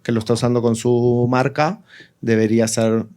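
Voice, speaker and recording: He is an Argentine man with a mid-range voice, taking part in an informal panel. He works through his thoughts aloud in halting phrases and repeats words to drive them home. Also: medium pitch, level tone, a little mellow, clear, resonant tone. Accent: Argentine Spanish. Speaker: panelist, audio fiction producer.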